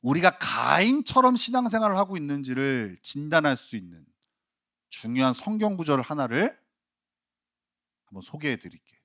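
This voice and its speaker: Male pastor, sermon delivery, high and very lively pitch, dramatic acted-out quotes. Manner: dramatic preaching, acting out quoted complaints with rising intensity.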